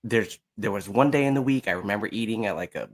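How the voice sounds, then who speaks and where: A man's voice: on the low side, quick pace. A man in his thirties with an American accent, chatting informally and reflectively as an interview guest. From Las Vegas, United States. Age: 30s. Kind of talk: casual chat.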